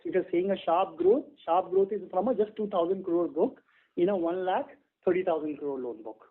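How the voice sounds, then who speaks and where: A man's voice: sits high, moderate pace. An Indian man explaining figures as a bank executive on an earnings call, checking his points as he goes. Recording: muffled band-limited conference phone line.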